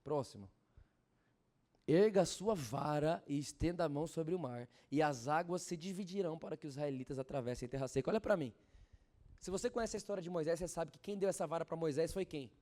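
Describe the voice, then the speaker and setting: A man preaching a sermon at a church service, swinging from loud fervent exhortation to hushed storytelling and asking the congregation questions. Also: fairly high pitch, fairly quick. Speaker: pastor.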